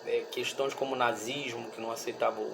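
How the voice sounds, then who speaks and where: A man with a Brazilian accent giving a religious study talk in a reflective, halting way, often checking in with listeners. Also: medium pitch, level tone, creaky, noisy background. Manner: reflective, halting, with frequent rhetorical check-ins. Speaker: speaker at a Spiritist study group.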